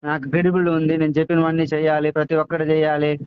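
Male caller, Prakasam district Telugu accent, on a muffled landline phone line, higher pitch, keeps agreeing and adding points. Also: flat delivery, fast talker, clean tone, dry recording. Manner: agreeing, chiming in. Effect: heard over a landline phone. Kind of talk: casual phone conversation.

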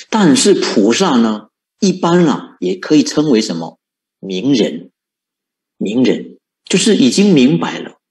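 A man's voice: mid-range voice, a little mellow. A man, a Buddhist monk, giving a dharma talk in Mandarin with a Fujian tinge, asking rhetorical questions and chuckling at his own points. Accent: Fujian-influenced Mandarin.

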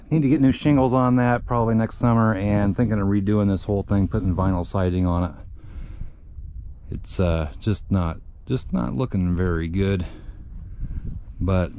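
A middle-aged man talks in a low voice, rambling with plenty of uh's and restarts as he walks a wintry farmyard. Faint hiss sits behind him, and he is recorded on a body or handheld action camera. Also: warm tone. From central Iowa. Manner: rambling, plain-spoken, lots of uh and restarts. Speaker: vlogger, farm shop owner. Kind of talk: casual walk-around update. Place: outdoors on a farmyard in winter, also inside a shop.

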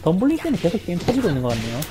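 A woman streaming her own fighting game match, calling the play and breaking into loud cries and laughs. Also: lowish voice, wildly swooping pitch, racing. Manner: reads viewer chat aloud. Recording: game music playing loudly behind.

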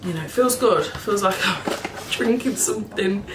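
A cleaning vlogger in her indoor home kitchen rambles casually to a camera at table height in front of her, swearing and laughing from time to time. Her medium-pitched voice is animated and a bit hoarse, with a froggy throat, at a normal speed. Echo and background noise fill the kitchen.

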